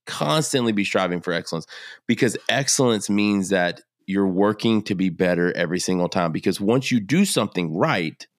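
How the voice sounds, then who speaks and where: A man in his thirties co-hosting a podcast, talking casually and getting animated when he makes a point. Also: low-pitched, normal speed, no room sound, clean studio sound. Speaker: podcast co-host.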